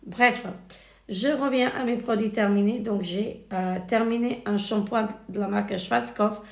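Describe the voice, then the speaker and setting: A woman with a cold and a hoarse voice, hesitantly reviewing finished beauty products in a casual vlog. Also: medium pitch, unhurried, darkish tone. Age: married adult. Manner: hesitant, many fillers and restarts. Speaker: beauty vlogger. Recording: echoey room.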